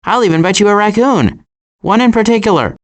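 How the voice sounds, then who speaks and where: A man voicing a sardonic, glib animal adventurer in an animated video game, with dry sarcasm and deadpan asides. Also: sits high, a little fast.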